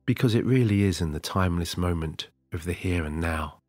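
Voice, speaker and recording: Deep husky man guiding sleep hypnosis. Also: no room sound. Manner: soft, slow and soothing, with long pauses. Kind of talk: slow guided sleep hypnosis. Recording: dry close studio voice over soft music.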